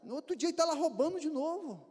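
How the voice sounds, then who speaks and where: Animated Brazilian pastor preaching. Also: male voice, very high-pitched, fast. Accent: Brazilian Portuguese. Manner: animated preaching with rhetorical questions and acted-out examples. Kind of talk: sermon. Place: church. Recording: hall reverb.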